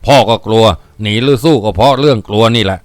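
A man voicing a hardened old village headman who leads a gang and talks in a gruff, brooding, commanding way. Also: mid-range voice, quick pace, no room sound, close to an everyday voice. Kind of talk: audiobook character reading.

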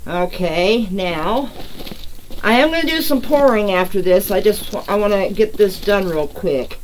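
A woman's voice: mid-range voice, expressive, measured pace, a little hiss or hum, rough recording. A woman hosting her own channel, chatting casually with viewers as she draws giveaway winners and greets them by name. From United States. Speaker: resin artist and channel host. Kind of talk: casual live giveaway chat.

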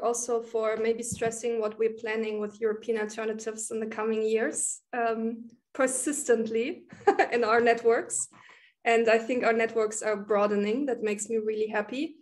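A woman organizing an online panel, speaking hesitantly with many fillers over a laptop video call from home. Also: on the high side.

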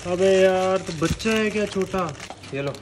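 High-voiced man teasing kids outdoors. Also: moderate pace. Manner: playful, teasing, coaxing. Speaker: vlogger. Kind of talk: casual vlog with children. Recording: noisy outdoor camera audio.

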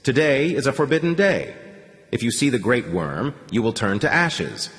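A man putting on a fearful, simple tribesman who names himself instead of saying I, his voice a little low and soft. It sits in a long-reverb space. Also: expressive. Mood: earnest. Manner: speaks of himself in third person, simple halting phrasing.

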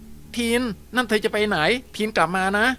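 A woman's voice: medium pitch, moderate pace, a bit bright, voice pushed up, lightly acted. A man voicing a prim, strict young female teacher who talks in a formal, fussy, complaining way. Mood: shouting.

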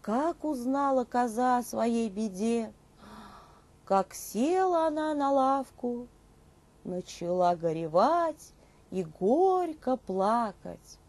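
Brief: female children's storyteller, thirties, high-pitched voice with a slightly rough, breathy edge. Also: animated, slow pace, darkish tone. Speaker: children's show presenter and storyteller. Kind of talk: expressive storytelling for young children. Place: indoor TV studio dressed as a nursery.

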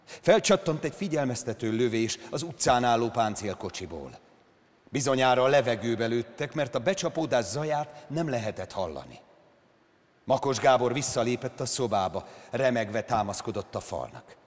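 A male actor reads a prose story aloud at a literary gala, with measured and dramatic phrasing. His voice has an ordinary middle pitch for a man. The sound carries the long reverb of a large concert hall. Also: sing-song. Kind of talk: dramatic literary reading on stage.

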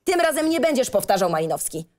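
A woman playing a stern, animated schoolteacher. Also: on the high side, fast. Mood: scolding. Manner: strict, sarcastic, scolding. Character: stern, exasperated female schoolteacher. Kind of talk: script reading for audio drama.

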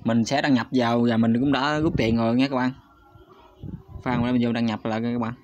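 A man's voice: mid-range voice, little pitch movement, normal speed, a little mellow. A man hosting his channel, talking viewers through a screen recording in a chatty, hesitant way, with frequent fillers and constant asides to the audience. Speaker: YouTube channel host. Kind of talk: casual screen-recorded walkthrough. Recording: slightly dull lo-fi sound.

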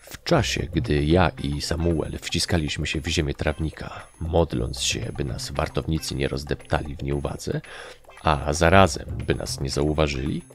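A man reading an adventure story aloud as an audiobook narrator, telling it lively and raising his voice for the characters. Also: a bass voice, measured pace, faint music behind.

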